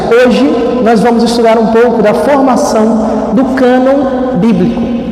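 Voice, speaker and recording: A man speaks with an extremely high pitch, hardly any pauses, very even loudness and fairly even intonation. Audible room echo and noticeable background noise are present. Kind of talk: lecture. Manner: fast; soft-spoken.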